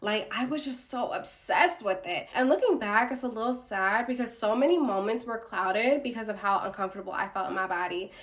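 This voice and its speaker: Amid noticeable background noise, a woman talks fairly quickly with hardly any pauses, fairly high pitch, and ordinary pitch variation. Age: 20s. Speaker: beauty and lifestyle vlogger. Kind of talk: casual talk to camera. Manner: warm, encouraging.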